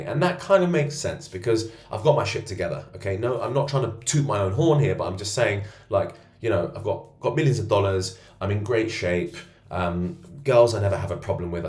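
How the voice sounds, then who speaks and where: With a low voice, a man who coaches men on self-improvement brags while grading himself out loud. It's a self-assured monologue recorded in a co-working space with a roomy echo.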